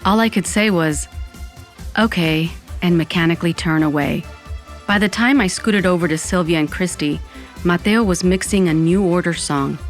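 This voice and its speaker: A woman's voice: on the low side, moderate pace, faint music behind, close to an everyday voice. A woman playing a dramatic, dreamy young Latina who narrates her own story in an audio drama. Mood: wistful. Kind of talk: first-person scripted audio fiction narration.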